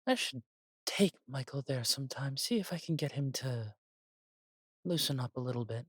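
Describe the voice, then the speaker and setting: A man's voice: medium pitch, lively intonation, moderate pace, a bit bright, breathy edge, no echo, clean studio sound. A man playing a chatty, fussy angel in an audio drama, with theatrical, musing asides. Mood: dreamy, musing. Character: chatty, fussy, coffee-loving male angel, teasing elder brother.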